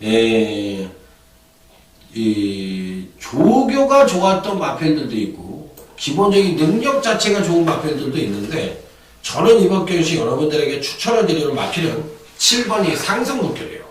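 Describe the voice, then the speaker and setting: Animated male racing tipster, echoey room. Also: normal speed, distant mic. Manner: animated, lively pitch swings, chatty asides. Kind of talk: racing tips commentary.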